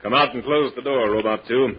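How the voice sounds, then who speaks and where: An actor playing a grandiose, menacing mad professor in an old-time radio drama, theatrical and commanding. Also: male voice, mid-range voice, a little fast, lo-fi sound, background noise, close to an everyday voice. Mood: commanding, gloating.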